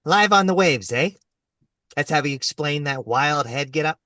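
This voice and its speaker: A nebbishy radio-play writer, acted by a man, wry and full of questions. His pitch swings around at a medium height, and he sits a little way off the mic in a dry space. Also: expressive, normal speed, sharp tone, no room sound. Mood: wry, weary. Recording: distant from the mic.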